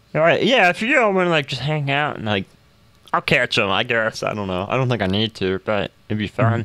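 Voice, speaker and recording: A man puts on a strained character voice at a medium pitch. He talks at a fairly quick pace. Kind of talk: comic overacting. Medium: actual play. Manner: chummy, cheerfully creepy.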